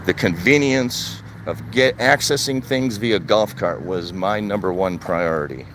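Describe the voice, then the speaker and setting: A man's voice: deep voice, measured pace, a bit bright, a little hiss or hum. Older Wisconsin man chatting on a walk. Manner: plain, conversational, repeats his points. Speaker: vlogger. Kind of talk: casual live-stream chat while walking. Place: outdoors, walking in a retirement community.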